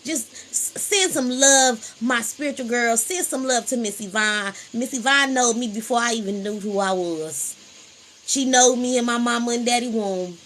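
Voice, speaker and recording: A woman's voice: on the high side, normal speed, a bit bright, slight background noise, rough recording. A woman hosting a casual spiritual livestream, talking in a preachy, repetitive, emphatic way into a phone.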